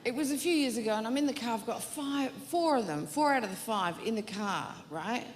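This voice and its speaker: A woman's voice: on the high side, expressive, a little fast, background noise. Rambling self-mocking woman comic, reverberant hall. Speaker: stand-up comedian. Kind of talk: stand-up comedy set. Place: comedy venue stage. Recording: live stage with long hall reverb. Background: faint audience laughter.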